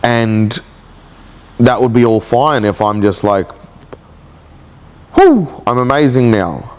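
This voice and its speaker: A man recording a personal video diary, speaking in a slow, halting, reflective way with many restarts. He has a cold, and his nose sounds blocked. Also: mid-range voice, very animated, darkish tone, smooth. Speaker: vlogger.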